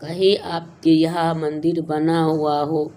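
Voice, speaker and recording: Slow-talking, low-pitched woman giving devotional advice. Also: level tone, warm tone, a little hiss or hum. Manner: repetitive, halting, addressing viewers as friends. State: slightly hoarse morning throat. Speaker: YouTube channel host. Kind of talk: devotional advice talk to viewers.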